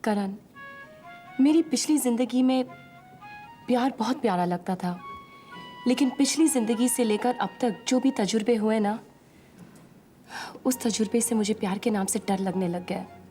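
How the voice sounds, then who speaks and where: An actress playing a cautious young woman who gently turns down love, in a TV serial drama. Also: fairly high pitch, unhurried, long pauses, soft background music, lightly acted. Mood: gentle. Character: guarded young woman, Rakshanda.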